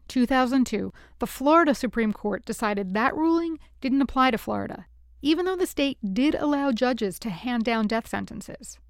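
A woman radio host presenting a special in a steady, explanatory, scripted way. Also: on the high side, no echo, studio quality.

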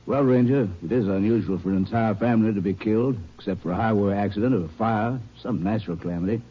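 A formal insurance investigator who talks fast in a low, husky voice. He is businesslike, in 1950s radio acting style, on a muffled recording.

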